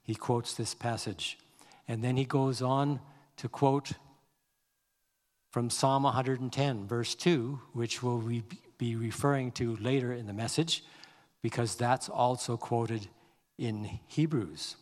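A man preaching a sermon, reading scripture aloud slowly and leaning on key words. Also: mid-range voice, fairly even intonation, long reverb tail. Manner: slow, measured delivery, reading scripture aloud with deliberate emphasis. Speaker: pastor.

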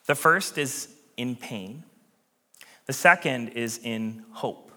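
A man preaching a sermon to his congregation, earnest and animated, often dropping to a hush at the ends of phrases. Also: mid-range voice, slow. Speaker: pastor. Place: church sanctuary. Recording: long reverb of a large church hall.

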